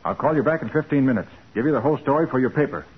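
An actor playing a confident, quick-witted private detective in a 1940s radio crime drama, brisk and decisive. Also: male voice, mid-range voice, animated, lightly acted. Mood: excited. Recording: muffled noisy 1940s radio recording.

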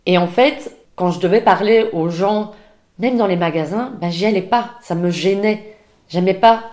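A woman's voice: mid-range voice, moderate pace, darkish tone. A woman from Belgium, a podcast guest, talking casually and hesitantly with many restarts. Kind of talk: casual conversation. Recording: roomy echo.

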